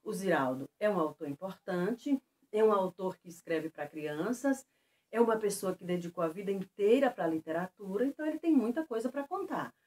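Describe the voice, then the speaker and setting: A Brazilian woman teacher giving a lesson to schoolchildren, stressing example words slowly and clearly. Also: mid-range voice. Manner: lively, slow and emphatic on example words. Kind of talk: remote lesson for children.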